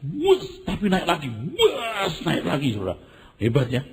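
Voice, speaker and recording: Speaking quickly at a medium pitch, this pastor delivers a sermon in a large hall. His stories are vivid and animated, complete with acted-out screams and sounds, and he frequently addresses the congregation directly.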